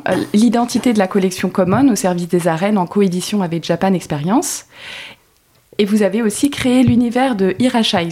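A woman hosting a podcast, reading her introduction in a calm, measured way and then interviewing her guest. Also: medium pitch. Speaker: podcast host. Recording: faint music behind.

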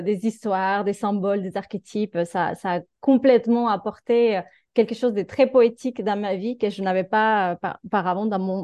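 A woman's voice: medium pitch, warm tone, dry recording. A woman in her thirties from Argentina, a podcast guest talking about astrology in a reflective, hesitant way with many fillers. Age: 30s. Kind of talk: casual interview chat.

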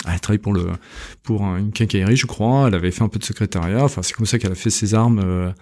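A French company director in his fifties talks in a casual interview on company premises, hesitant with many fillers and restarts. His voice is fairly low and warm, and he speaks fast.

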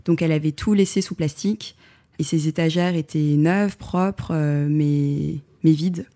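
Hesitant, mellow-voiced woman photographer. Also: low-pitched, fairly even intonation, unhurried. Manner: hesitant, many fillers and restarts. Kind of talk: reflective interview answers.

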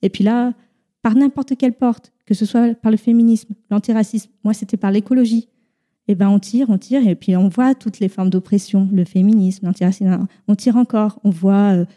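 Woman guest, medium pitch, dark soft tone, reflective. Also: steady tone, moderate pace. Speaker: podcast guest. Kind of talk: casual discussion.

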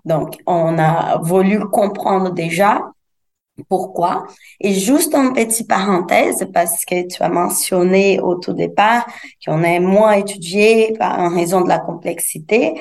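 A woman's voice: mid-range voice, darkish tone. A woman from Brazil, a researcher and guest, explaining carefully with hesitant restarts. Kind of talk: podcast interview answers.

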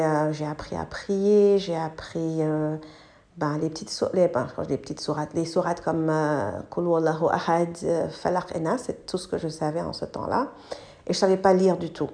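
Telling her life story on her podcast, a thoughtful middle-aged woman from Côte d'Ivoire speaks in a fairly low, dark voice. A native English speaker, she pauses to find words and slips in English ones.

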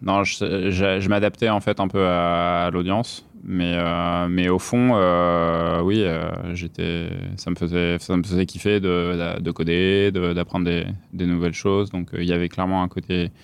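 Guy from southern france, no accent left, really deep voice, kinda halting, lots of ums. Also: level tone, smooth. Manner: hesitant, many fillers and restarts. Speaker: guest, company founder. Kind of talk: casual interview conversation.

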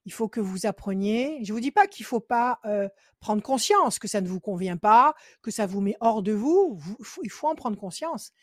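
A woman's voice: medium pitch, expressive, normal speed, few pauses, dry recording, clean studio sound. A woman working as a psychic on a call-in show. She gives firm advice again and again and counts cards under her breath. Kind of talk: phone consultation with card reading.

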